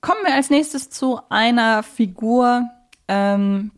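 A woman's voice: a little high, takes it slowly. A woman co-hosting a podcast in a casual fan discussion, speaking in a reflective and opinionated way. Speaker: podcast co-host.

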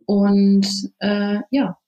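A woman's voice: medium pitch, monotone, drawn-out words, dull audio. Thoughtful woman, English native, roomy echo. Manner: thoughtful, many fillers and restarts. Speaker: interview guest, company founder. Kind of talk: casual interview talk.

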